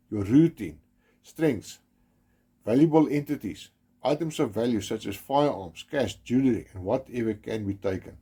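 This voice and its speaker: Narrating a documentary, this man speaks with solemn, deliberate pacing and hits important words with strong emphasis, occasionally restarting a phrase. He is South African, a native Afrikaans speaker, with a mid-range voice that is dark, mellow and a touch husky.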